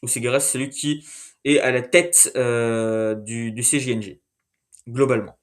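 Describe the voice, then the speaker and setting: A man's voice: mid-range voice, steady tone, moderate pace. Hesitant French man recapping news. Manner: hesitant, many fillers and self-corrections. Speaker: video host. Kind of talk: casual monthly recap narration.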